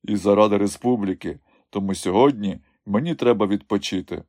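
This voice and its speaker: A man voicing a shy young strongman lad who speaks softly and hesitantly. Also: fairly low pitch, brisk, no echo, studio quality, natural voice. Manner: soft-spoken, hesitant.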